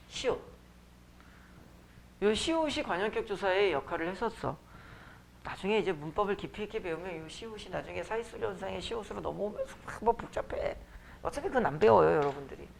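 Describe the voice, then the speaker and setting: A man teaching a high school Korean class, lecturing casually with joking asides to his students. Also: vocal fry. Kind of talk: classroom lecture with teasing banter. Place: academy classroom.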